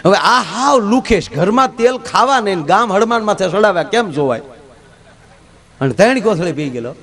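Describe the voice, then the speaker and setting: A man, performing on a live stage as a folk comedian. His voice sits high for a man. He plays every character in his anecdotes himself and slides into rousing, preachy appeals to the crowd. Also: expressive, normal speed, a bit bright. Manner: storytelling, acting out dialogue, turns preachy and rousing. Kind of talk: stage folk humor with a moral talk.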